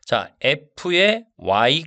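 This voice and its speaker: A male math teacher giving a lecture. He slows down to stress key terms and keeps asking if the class follows. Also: mid-range voice, big pitch swings, sharp tone. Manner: slow and stressed on key terms, asks checking questions.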